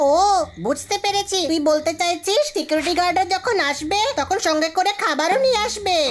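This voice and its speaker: A cartoonish character voice at an extremely high pitch speaks at a moderate pace. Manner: naive, whiny.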